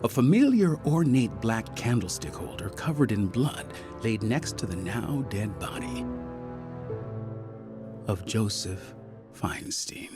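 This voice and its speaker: A man's voice: fairly low pitch, very animated, slow pace. A man narrating a scripted murder mystery audio drama in a theatrical storytelling manner. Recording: music bed under the voice.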